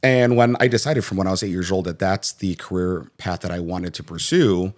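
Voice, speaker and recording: A man's voice: low voice, fairly quick. A Jamaican-born man raised in Florida, a guest on a podcast, telling stories and acting out the people in them. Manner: animated storyteller, acts out quoted voices. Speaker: guest, financial professional. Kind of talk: conversational podcast interview.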